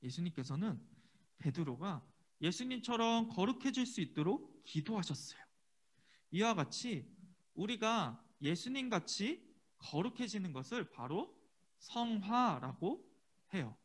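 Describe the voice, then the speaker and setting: Pastor for a kids' service: a young man with a high, animated voice and a storytelling manner. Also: unhurried. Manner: animated storytelling, asks the children questions. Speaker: children's ministry pastor. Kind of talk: children's sermon.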